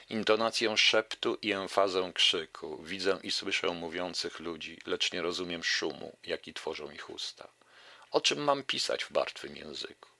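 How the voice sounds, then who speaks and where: Radio host and poet, male, bright edgy tone, dry close sound, declaims verse then chats to listeners. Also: low voice, no echo. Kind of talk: poetry reading with casual asides.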